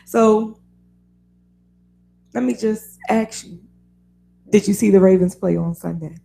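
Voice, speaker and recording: A woman with a raspy voice hosting a casual sports talk radio show, chatty and opinionated, laughing often. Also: medium pitch, slow, warm tone.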